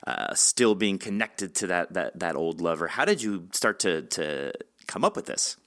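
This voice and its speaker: Bright-voiced, low-pitched man hosting an interview. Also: big pitch swings, no room sound, clean studio sound. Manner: effusive, rambling, halting mid-sentence. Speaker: podcast host interviewing an author. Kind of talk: conversational interview.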